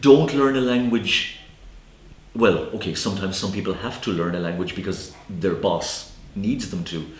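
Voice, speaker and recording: In an Irish accent, a man with a fairly low pitch talks at a moderate pace with lively intonation and audible room echo. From Ireland. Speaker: English teacher. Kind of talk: interview.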